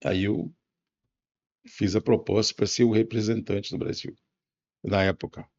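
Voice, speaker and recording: A man in his seventies from Bahia, Brazil, with a Bahian accent, answering interview questions in a musing, unhurried way with restarts. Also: on the low side, little pitch movement, a little mellow, highs cut off. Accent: Bahian Brazilian Portuguese. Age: 70s. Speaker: interview guest.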